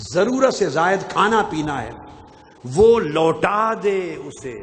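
Light background noise can be heard. Over it, a man talks. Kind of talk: sermon. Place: hall. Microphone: podium.

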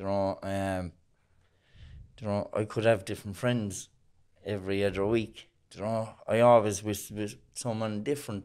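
A man's monotone, flat delivery with long, frequent pauses against a quiet background. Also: fairly low pitch for a man, moderate pace. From Ireland, Cork. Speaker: recovering addict. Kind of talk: casual chat. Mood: warm, reflective, smiling. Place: studio. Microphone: studio mic.

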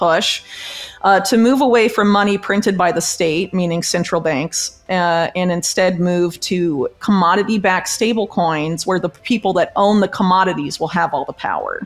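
A woman at a moderate pace, with ordinary pitch variation and hardly any pauses. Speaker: interview guest. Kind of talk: interview answer. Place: home room. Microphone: studio mic.

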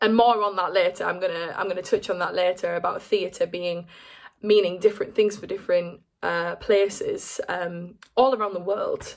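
A woman speaks in a Teesside accent. The background is quiet. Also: moderate pace. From Teesside, North East England. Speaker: musical theatre actor. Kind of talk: educational talk to camera. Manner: casual, chatty. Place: home room. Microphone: webcam.

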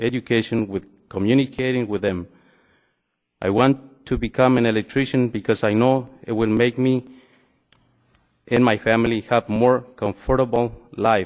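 A man speaks with a Spanish accent at a moderate pace. His intonation is fairly even. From Mexico. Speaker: farm worker and adult literacy student. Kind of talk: public comment at council meeting. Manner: reading prepared statement.

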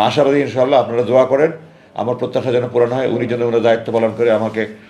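A man with a medium-pitched voice speaks in a flat monotone. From Bangladesh. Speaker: retired army officer; conference speaker. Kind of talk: press conference statement. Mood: earnest, hopeful. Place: hall.

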